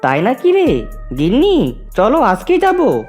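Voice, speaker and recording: Actor voicing a sly fox with swooping pitch. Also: wildly swooping pitch, unhurried, a little mellow, soft background music. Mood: eager. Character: sly scheming male fox, husband, calculating. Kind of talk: children's cartoon voice acting.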